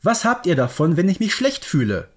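A man's voice: sits high, wildly swooping pitch, fairly quick, voice pushed up, exaggerated voice. A man voicing a bullied young witch girl, hurt but brave, in a children's audio story. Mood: pleading, firm.

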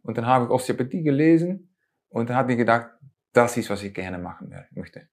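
A Dutch osteopath and lecturer in his forties is a guest in a conversational interview, speaking German with a Dutch accent. His voice is medium-pitched and animated, but he hesitates often, using many fillers and making small non-native grammar slips.

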